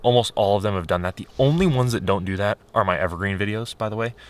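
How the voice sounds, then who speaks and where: A man talking in a casual, unscripted vlog style, candid and rambling as he thinks aloud, his voice getting a little hoarse. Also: on the low side, fast talker. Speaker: video creator.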